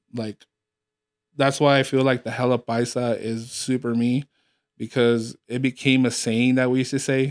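In an American accent, a man talks at a moderate pace and medium pitch with monotone, flat intonation, the sound dry and close with no echo on a very clean recording with a silent background. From California, US. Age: 30s. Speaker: rapper. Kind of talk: casual interview. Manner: soft-spoken.

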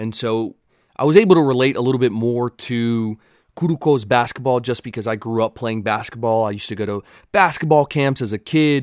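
An upbeat man at a fairly quick pace, medium in pitch with ordinary pitch variation, in a dry, close sound with no echo and a very clean recording with a silent background. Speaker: podcast host. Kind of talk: casual solo monologue. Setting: home recording, rain in background. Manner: upbeat, casual.

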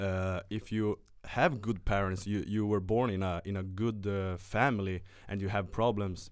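A man with a Swedish accent speaks at a fairly low pitch on a very clean recording with a silent background. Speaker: podcast host. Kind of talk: casual interview in English; podcast intro in Swedish. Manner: halting English.

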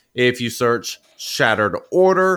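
Very wide pitch swings mark a man's speech at a fairly slow pace. The recording is very clean, and the background is silent. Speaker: gaming podcaster. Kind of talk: casual chat.

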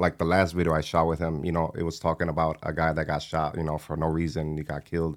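A very deep, low-voiced man with a slight Mexican accent, very fast and monotone, flat in intonation. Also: hardly any pauses, very clean recording, silent background. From Milwaukee South Side, partly raised in Mexico. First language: Spanish. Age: 20s. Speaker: videographer. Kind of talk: casual interview.

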